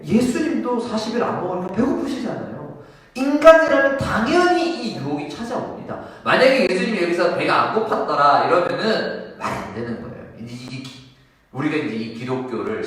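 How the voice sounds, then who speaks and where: A male pastor preaching a sermon in a church, animatedly asking and answering his own questions. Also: fairly high pitch. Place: church sanctuary. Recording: echoey hall, mic far off.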